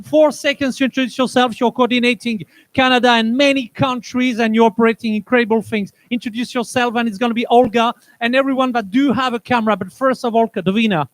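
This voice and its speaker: A man hosting a live event on stage as an energetic emcee who hurries people along. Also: very high-pitched, no room sound, poor audio. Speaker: event host.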